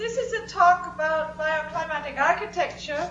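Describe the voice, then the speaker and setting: A woman speaks fairly slowly at an extremely high pitch. Room echo is audible, and background noise is noticeable. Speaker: architect, professor. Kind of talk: lecture.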